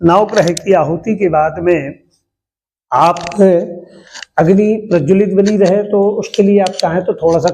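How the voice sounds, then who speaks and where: A man leading a home fire ritual as priest, giving plain step-by-step instructions between slow, drawn-out chants. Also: sits high, a little mellow, a little hiss or hum.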